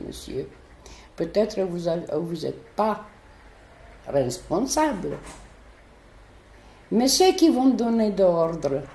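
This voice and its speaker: A woman with a foreign accent recounts her story slowly, with many restarts. Her voice is gravelly and dark. The recording has a roomy echo. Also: medium pitch. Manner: animated, hesitant storytelling with restarts. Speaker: interviewee, neighbourhood resident. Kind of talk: telling a personal story.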